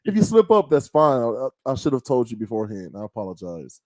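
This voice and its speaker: A man hosting a casual interview over a call, playful and quick to laugh. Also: medium pitch, sing-song, warm tone, no echo. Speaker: podcast host.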